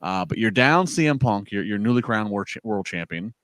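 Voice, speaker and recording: A man with a lowish voice hosts a casual wrestling podcast. He rambles through the recap with plenty of fillers and restarts. The sound is dry and close. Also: expressive, fairly quick, fairly bright tone, dry recording. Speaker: podcast host.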